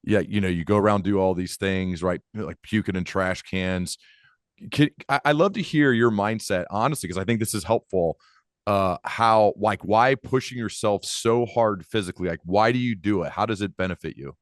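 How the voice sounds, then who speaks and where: A man with a very low voice hosts a podcast interview, asking curious, probing questions. His voice sounds close and dry, with no room sound. He leans in with open enthusiasm. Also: moderate pace, dry recording. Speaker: podcast host.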